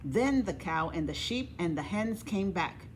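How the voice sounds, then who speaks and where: A woman's voice: lowish voice, lively intonation, takes it slowly, slight background noise. A woman librarian reading a children's story aloud, each line in English then Spanish, with animal sounds.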